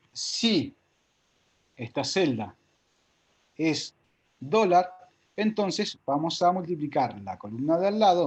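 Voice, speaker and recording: Husky man teaching a patient class. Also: a little high, a little mellow. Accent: Argentine Spanish. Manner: patient, step-by-step, checks if students follow. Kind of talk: live online spreadsheet class.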